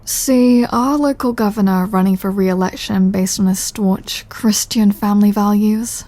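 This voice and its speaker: A woman's voice: mid-range voice, fairly even intonation, measured pace, warm tone, dry recording, natural voice. A British woman playing an apologetic, sardonic mafia boss with a protective, flirty streak in an ASMR audio roleplay. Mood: wry, explaining. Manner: dry, sardonic, sighing, exasperated. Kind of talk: ASMR audio roleplay, close scripted acting.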